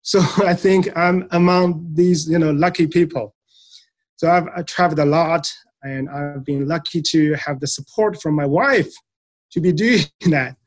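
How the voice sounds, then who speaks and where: A man in his thirties from Eastern China, a soil scientist answering interview questions in a measured, explanatory way with frequent fillers. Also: on the high side.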